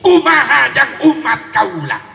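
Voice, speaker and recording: A man's voice: extremely high pitch, big pitch swings, unhurried, vocal fry, sharp tone, faint music behind, voice pushed up, full character voice. A man voicing a tender, grieving male prophet in a sermon story, in a pleading, tearful way. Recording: echoey hall with long reverb.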